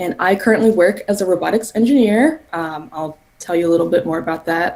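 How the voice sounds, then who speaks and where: With an American accent, a woman speaks fairly quickly in a plain, everyday voice at a medium pitch with ordinary pitch variation. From US, Denver. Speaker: robotics engineer, guest speaker. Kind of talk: presentation.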